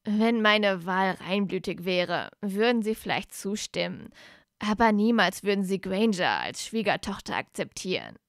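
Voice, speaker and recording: A woman reading aloud voices a proud young male wizard who sounds flat and defeated, speaking low and slowly. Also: no echo, clean studio sound. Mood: weary.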